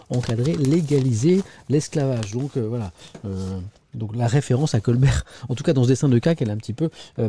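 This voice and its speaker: A man's voice: mid-range voice, vocal fry, dark tone. A middle-aged man casually reviewing the morning papers on a live stream, reading editorials aloud and chatting with viewers. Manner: chatty, reads editorials aloud and comments, talks to the chat.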